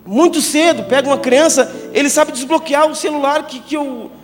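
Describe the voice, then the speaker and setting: A man's voice: very high-pitched, normal speed. A man preaching at a youth congress, chatty and joking, often tossing in tag questions, on a handheld mic. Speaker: pastor. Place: church congress hall. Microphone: handheld microphone. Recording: reverberant hall with background music.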